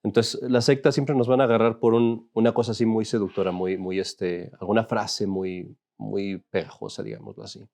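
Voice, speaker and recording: A man's voice: lowish voice, moderate pace, vocal fry, few pauses, a little mellow. A man, a Catholic priest, teaching an informal class in a conversational, joking way and often asking his listeners questions.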